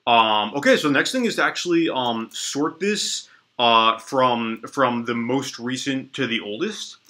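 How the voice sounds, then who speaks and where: Bright-voiced young man with allergy sniffles. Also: mid-range voice, unhurried. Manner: relaxed, lots of ums and restarts, thinks aloud while typing. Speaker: coding tutorial host. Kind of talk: casual screen-recorded coding tutorial. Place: small indoor room at a desk.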